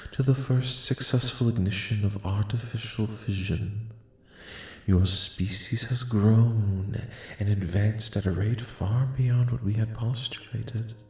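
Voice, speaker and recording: Man voicing a slow, soft-spoken, echoing alien. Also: on the low side. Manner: slow, formal, measured, reassuring. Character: calm, courteous, ancient disembodied alien collective. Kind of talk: soft-spoken ASMR roleplay. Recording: echoing, reverberant voice.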